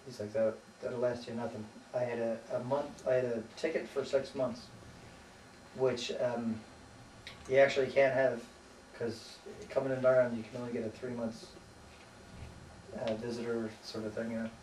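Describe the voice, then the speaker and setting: A man's voice: mid-range voice, flat delivery, moderate pace, a little mellow. American guy chatting about his life, rambles and hesitates, swears a bit, roomy far-off recording w/ faint noise. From United States. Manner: swears casually. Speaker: interviewee. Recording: roomy echo, distant mic, faint noise.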